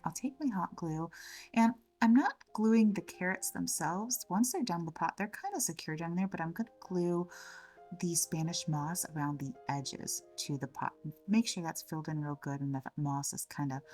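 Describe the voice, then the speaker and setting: A woman's voice: lowish voice, moderate pace, far from the mic, faint music behind. Slightly scratchy-voiced woman crafter. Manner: gentle, chatty, fond of the word little. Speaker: craft channel host. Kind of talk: step-by-step craft tutorial narration.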